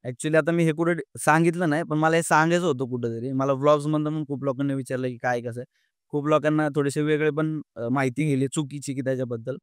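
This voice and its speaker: A man's voice: on the high side, steady tone, smooth, dry recording, studio quality. Earnest young man. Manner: earnest, halting, many fillers and restarts. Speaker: podcast guest. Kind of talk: emotional storytelling in an interview.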